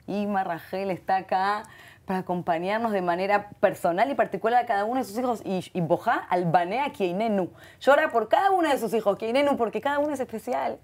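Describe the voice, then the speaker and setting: A middle-aged woman with an Argentine Spanish accent, a guest in an interview who speaks in an expressive way, often repeating herself. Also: medium pitch. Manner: warm and expressive, many repeated words and Hebrew terms. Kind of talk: heartfelt conversational interview.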